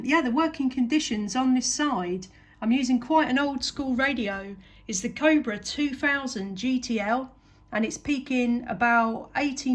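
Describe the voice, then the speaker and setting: Casting: woman, southern English accent, high voice, polite and thankful CB operator making casual radio contacts. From England.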